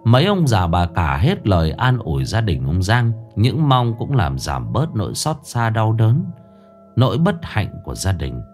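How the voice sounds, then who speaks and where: A man's voice: lowish voice, huge pitch swings, measured pace. A man narrating a ghost story in a solemn, mournful storytelling voice. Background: faint music.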